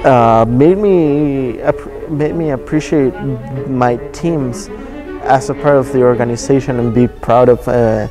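A man's voice: mid-range voice, measured pace, over music. A man in his twenties from Argentina with an Argentine accent, a student musician talking casually in an interview. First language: Spanish. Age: 20s. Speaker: student viola player. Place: indoors in an auditorium.

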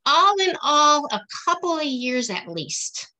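Bright-voiced middle-aged woman, fairly high. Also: big pitch swings, a little slow, poor audio. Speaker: guest author. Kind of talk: casual question-and-answer chat for children. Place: small indoor room at home. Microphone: computer mic on a video call.

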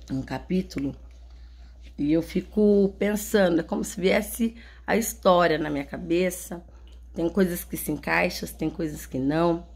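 A woman's voice: low-pitched, a little mellow, slightly rough. A young Brazilian woman chatting in a casual home vlog, affectionate and laughing often. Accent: Brazilian Portuguese. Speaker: vlogger and mother. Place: home, indoors.

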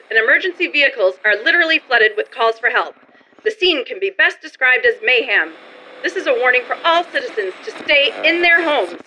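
A woman's voice: high voice, sharp tone, low-quality recording. A middle-aged woman playing an emphatic radio news reporter reading an urgent bulletin in an old-time style. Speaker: stage actor reading a script. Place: theater stage. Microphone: stand microphone.

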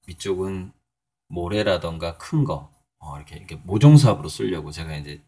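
A middle-aged male painter talking casually in a morning vlog, rambling a little with fillers and soft chuckles. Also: low-pitched. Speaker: painter and channel host.

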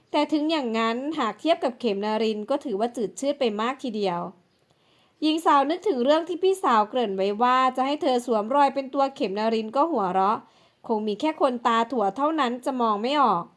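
A woman storyteller narrating a romance audiobook in a smooth, even storytelling manner. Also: high voice.

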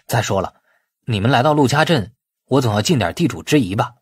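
A man's voice: mid-range voice, animated, fairly quick, slightly rough, no echo. A man reading the part of a courteous, glib young businessman in an audiobook. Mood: polite, persuasive.

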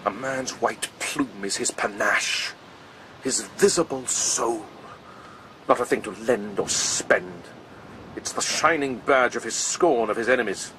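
An actor playing a proud, witty poet-soldier in a radio drama, speaking with eloquent, wry theatricality. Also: male voice, mid-range voice, a little slow, bright, forceful tone, a little hiss or hum, low-quality recording. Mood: proud, defiant.

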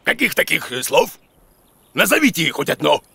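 A man voicing an excitable, muddled bearded creature who teaches in a children's cartoon, theatrical and grumbling. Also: fairly high pitch, normal speed, creaky, slightly rough, full character voice. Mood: flustered, grumbling. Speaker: teacher, main character. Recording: music behind the voice.

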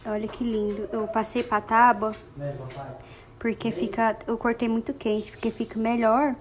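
A woman speaks in a slightly high voice, effusive and full of feeling as she talks to her viewers. She cooks in a home kitchen, with a faint hiss of noise behind her. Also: level tone, a little slow. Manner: emotional, effusive, addresses viewers as "gente". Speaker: home cook vlogger. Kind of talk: casual cooking vlog.

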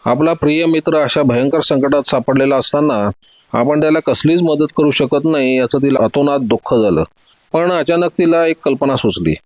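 A man narrates a detective thriller in a steady, dramatic reading voice, pitched a little high. The recording is dry and slightly dull. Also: normal speed, no room sound. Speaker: storyteller. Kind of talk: scripted narration of a detective story.

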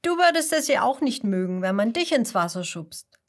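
A woman voicing a kind, helpful little boy dinosaur in a children's audio story, explaining things gently and patiently. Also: a little high, sing-song, moderate pace.

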